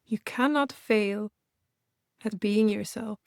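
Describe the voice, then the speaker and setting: A woman leads a guided meditation with a gentle, instructional delivery. Her voice sits at an average female pitch and is recorded very dry, with little room sound. She is reassuring and leaves unhurried space between her phrases. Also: vocal fry, dry recording.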